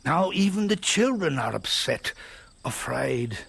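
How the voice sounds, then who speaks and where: An actor playing a grieving Gypsy father and earnest spiritual seeker in a religious audio drama, halting and sighing. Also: medium pitch, very animated, gravelly, fairly bright tone, breathy edge, full character voice. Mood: anguished confession.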